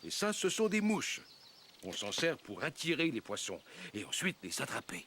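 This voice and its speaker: A man's voice: mid-range voice, huge pitch swings, moderate pace, a bit bright, slight background noise. A man voicing a kindly old grandfather in a cartoon, patiently explaining things to a child. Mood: kindly instructive. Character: kindly old grandfather who loves fishing. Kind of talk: cartoon voice acting. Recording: music behind the voice.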